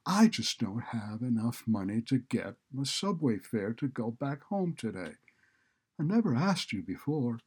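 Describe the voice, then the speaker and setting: A man's voice: medium pitch, moderate pace, few pauses, a little mellow, slightly rough, voice pushed up. A man voicing an embarrassed but defiant teenage female student in a story, speaking plainly and earnestly. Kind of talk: audiobook character dialogue.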